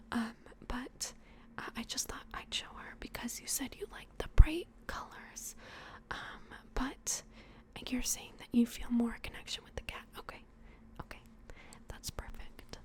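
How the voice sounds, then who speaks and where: A woman doing a soft-spoken, whispered ASMR personal-attention roleplay as an adoption worker, gentle, hushed and reassuring. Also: a little high, a little slow. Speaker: ASMR roleplay host playing a plush toy adoption worker.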